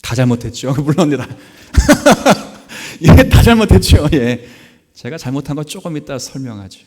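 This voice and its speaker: A male pastor in his forties preaching at a Sunday church service, telling a family story with lively jumps in pitch and loudness and asking the congregation questions. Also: unhurried. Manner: animated storytelling, acts out quotes with sharp jumps in pitch and volume; asks the congregation questions and laughs along. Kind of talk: sermon.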